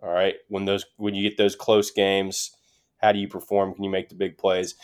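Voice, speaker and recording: A man's voice: low voice, completely flat delivery, moderate pace, smooth. A man co-hosting a sports podcast, giving casual commentary in short, emphatic phrases and checking in with his listeners.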